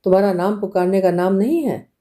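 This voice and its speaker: A woman voicing a young bridegroom in an audiobook, gentle and pleading, asking soft coaxing questions. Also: mid-range voice, a little fast, natural voice.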